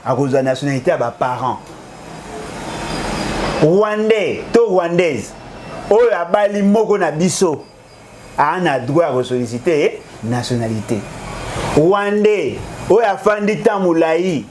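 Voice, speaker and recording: A man's voice: on the high side, expressive, unhurried, long pauses, background noise. A man arguing politics in a heated debate, lecturing and insisting he cannot be contradicted, mixing French and Lingala. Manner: argumentative, lecturing, switches between French and Lingala. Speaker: political commentator.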